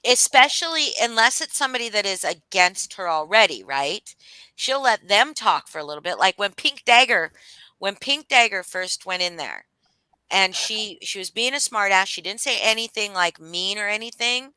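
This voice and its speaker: Bright-voiced woman chatting bluntly. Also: mid-range voice, moderate pace, clear, resonant tone, no echo, low-quality recording. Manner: blunt, animated gossip with swearing. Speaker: host. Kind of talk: casual chat.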